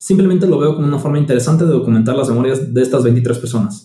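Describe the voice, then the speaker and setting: A man with a Mexican accent, somewhat breathy, in a dark, mellow tone, with ordinary pitch variation and a fairly quick pace. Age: 20s. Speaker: political podcaster and streamer. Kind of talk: reading aloud.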